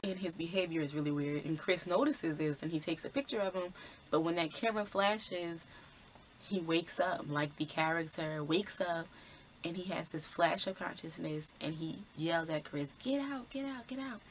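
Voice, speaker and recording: A woman's voice: sits low, normal speed, slight background noise. A woman vlogger casually explaining the messages of a film, in a conversational way with many fillers.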